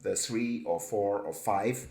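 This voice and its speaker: A German-speaking man hosting a video-call chat show, talking in a halting way with many hesitations. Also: lowish voice, gravelly, a little mellow, reverberant. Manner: hesitant, halting, laughs often. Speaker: host. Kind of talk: casual chat.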